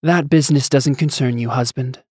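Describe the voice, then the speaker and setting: A man's voice: mid-range voice, normal speed, a little mellow, slightly rough, dry recording, clean studio sound, close to an everyday voice. A man voicing a sultry, scheming goddess in an audiobook, with a coaxing, condescending, theatrical manner. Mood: smug. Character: sultry, scheming, languid goddess, vain wife. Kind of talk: audiobook character acting.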